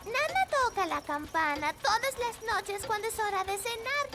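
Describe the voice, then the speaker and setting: A woman's voice: very high-pitched, animated, normal speed. A woman voicing a sweet, curious little fairy princess in a children's cartoon, childlike and earnest, with a Latin American Spanish accent. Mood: curious, helpful. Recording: loud music behind.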